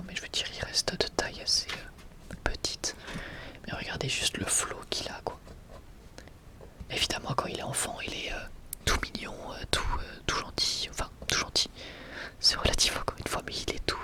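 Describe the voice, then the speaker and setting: ASMR presenter, soft unvoiced whisper, informal rambling fan commentary. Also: mid-range voice. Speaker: ASMR video creator presenting a manga collection. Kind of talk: whispered ASMR, casual chat.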